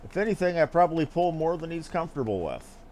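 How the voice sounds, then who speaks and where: A man's voice: fairly high pitch, big pitch swings, fast talker, a little mellow, slight background noise. A man giving casual, offhand gameplay commentary with geeky asides as he streams. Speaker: game streamer.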